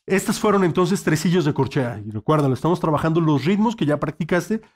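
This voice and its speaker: A man's voice: fairly high pitch, expressive, fast talker, a little mellow. A male saxophone teacher, giving an online lesson and checking in patiently with the student.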